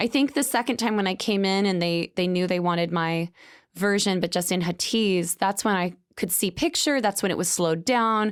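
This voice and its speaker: A woman speaks at a medium pitch with ordinary pitch variation in a plain, everyday voice. The recording is very clean, with a silent background. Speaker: session singer and voice actor. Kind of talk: interview answer.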